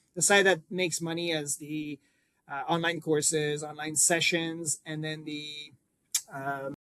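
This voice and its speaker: A man's fairly high, bright and sharp voice with a French Canadian accent, flat monotone intonation and a fairly slow pace. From northern Quebec. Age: 30s. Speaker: ultra triathlete and naturopathic practitioner. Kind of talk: casual interview.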